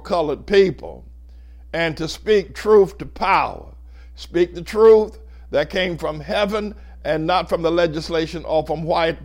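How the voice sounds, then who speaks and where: A male pastor preaching a sermon, emphatic and building his points in repeated lists of phrases. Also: on the high side.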